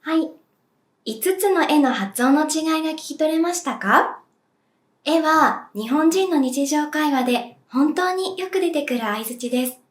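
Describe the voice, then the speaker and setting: A woman teaching as a language teacher, speaking clearly and deliberately and demonstrating sounds for viewers to repeat. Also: sits high, expressive. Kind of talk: slow, clear pronunciation lesson. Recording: echoey room.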